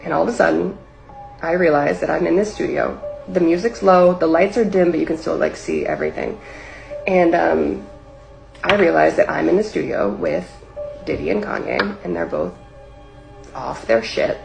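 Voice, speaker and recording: A woman's voice: on the low side, sing-song, moderate pace, gravelly, over music, poor audio. A young woman casually telling a personal story, rambling with lots of "like" fillers. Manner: rambling, heavy use of "like" fillers. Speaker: storyteller recounting a personal experience. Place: livestream or video setup.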